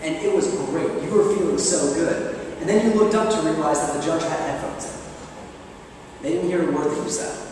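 A man with a high-pitched voice at a moderate pace, hardly pausing, amid strong room echo and noticeable background noise. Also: ordinary pitch variation. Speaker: debate coach. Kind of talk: lecture. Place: classroom. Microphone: camera far.

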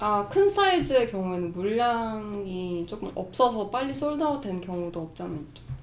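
A woman talks at a moderate pace with lively intonation and hardly any pauses, her loudness swinging widely over light background noise and audible room echo. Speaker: esports staff member. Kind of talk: casual chat. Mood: apologetic, explanatory. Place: meeting room.

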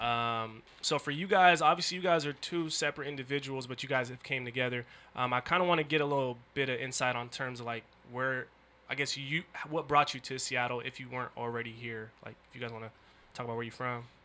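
Talking at a very fast pace, a man with a bright, sharp tone uses ordinary pitch variation and big swings in loudness. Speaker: podcast host. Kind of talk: casual chat. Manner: animated. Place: studio. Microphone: studio mic.

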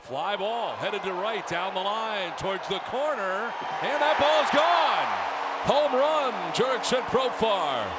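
Very slow speech over loud background noise, with a dry sound and no echo. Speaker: baseball play-by-play announcer. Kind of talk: live sports commentary, calling each pitch as it happens.

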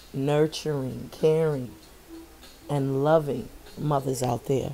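A woman's very deep, low voice in a monotone, flat delivery, with noticeable background noise. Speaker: tarot reader. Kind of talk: tarot reading, casual talk to audience.

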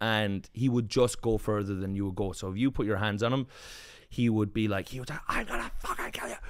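A man speaks with an Irish accent at a fairly low pitch. The background is quiet. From Ireland, Kilkenny. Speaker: comedian. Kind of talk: casual chat. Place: studio. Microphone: studio mic.

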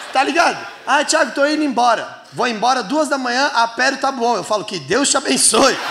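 Amid light background noise, a man speaks fairly quickly at an extremely high pitch, his voice raised and projected, with hardly any pauses. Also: ordinary pitch variation. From Brazil. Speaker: comedian. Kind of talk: stand-up. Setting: stage with audience. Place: stage. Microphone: handheld.

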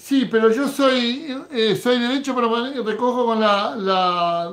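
A man with an Argentine accent talks at a very slow pace. His pitch is high, with ordinary variation. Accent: Rioplatense Argentine Spanish. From Argentina. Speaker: fishing YouTuber and former radio host; fishing YouTuber, former radio host. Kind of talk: live stream chat. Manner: casual, conversational. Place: home room. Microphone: webcam.

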